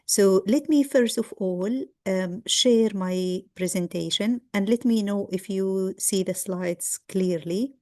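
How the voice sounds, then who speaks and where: A middle-aged woman from Egypt gives a lecture over a video call, speaking in a measured way with frequent ums and restarts. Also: mid-range voice, darkish tone. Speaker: guest lecturer. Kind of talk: online lecture.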